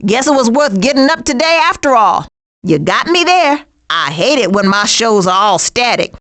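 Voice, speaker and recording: A sassy female cartoon skunk for a video game, with an American accent. The voice sits high and moves in lively, animated swings. The delivery is cranky, folksy and dry-witted, full of streetwise sarcasm. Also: normal speed. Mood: sassy, deadpan.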